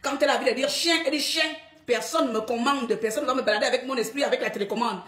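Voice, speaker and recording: A woman's voice: fairly high pitch, very fast, a bit bright. Middle-aged woman with a Cameroonian accent, blunt and defiant live-stream talk, echoey room. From Gabon. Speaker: activist addressing followers in a live stream.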